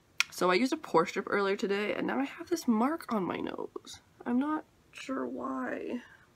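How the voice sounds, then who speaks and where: Noticeable background noise runs under a woman whose pitch swings very widely as she talks at a moderate pace. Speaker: vlogger. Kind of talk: storytime vlog, personal testimony. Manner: casual, with filler words.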